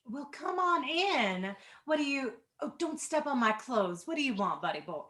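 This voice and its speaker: A woman's voice: high voice, sing-song, normal speed, sharp tone, exaggerated voice. A woman voicing a reckless, flippant young rebel daughter in a screenplay table read. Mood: flippant, teasing.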